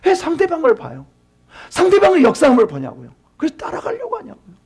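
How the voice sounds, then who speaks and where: A man's voice: very high voice, huge pitch swings, fast talker, creaky, darkish tone. A man pastor preaching a sermon at a seminar, asking his listeners questions and dropping into whispered asides. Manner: asks the congregation questions, drops to whispered asides.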